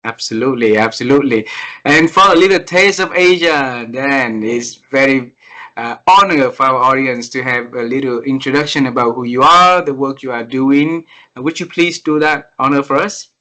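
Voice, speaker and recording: A man hosting an interview over a video call, polite and formal, with slightly halting phrasing. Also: mid-range voice, bright, forceful tone. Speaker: host.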